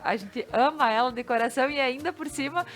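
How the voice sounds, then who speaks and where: A woman's voice: sits high, fairly quick, fairly bright tone. A woman with a Brazilian Portuguese accent hosting a morning TV talk show, chatty and effusive.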